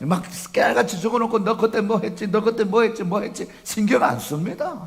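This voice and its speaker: A man speaks at a high pitch and a fairly quick pace. Noticeable background noise and audible room echo fill the recording. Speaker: pastor. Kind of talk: sermon.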